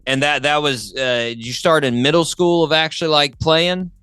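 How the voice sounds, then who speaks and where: Male interview host. Bright, forward voice, very dry sound, chatty, keen, repeats himself. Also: a little high, steady tone, normal speed, smooth, no echo. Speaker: talk show host. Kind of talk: casual music interview chat.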